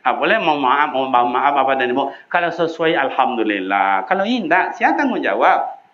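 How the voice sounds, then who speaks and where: A man preaching a sermon in a mosque with a Minangkabau accent, swinging between loud high calls and low quiet asides. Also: very animated, normal speed, lo-fi sound.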